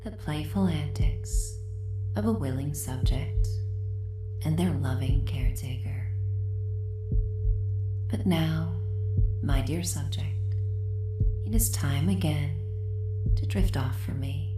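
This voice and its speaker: Mysterious female caretaker, acted by a woman for hypnosis roleplay: low-pitched, breathy, soothing, possessive, over ambient music. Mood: hypnotic, coaxing. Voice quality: soft, breathy whispering. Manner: slow, soothing, hypnotic, often dropping into whispers. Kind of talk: scripted hypnosis roleplay audio, ASMR-like. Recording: echoing voice over ambient tones. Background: soft ambient music with humming tones.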